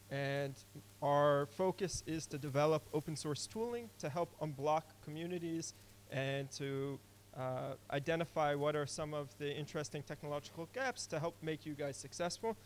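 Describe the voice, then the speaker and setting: A man's voice: on the high side, a little hiss or hum. A young man giving a casual technical talk at a conference, with many fillers and restarts. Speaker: conference speaker. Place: conference hall.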